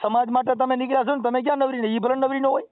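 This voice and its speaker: A man with a Gujarati accent lecturing forcefully in a heated phone argument, repeating phrases and quoting folk sayings. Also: extremely high pitch, little pitch movement, rapid-fire, crowd noise. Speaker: social activist on a phone call. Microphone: telephone line. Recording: tinny, narrow-band phone call recording.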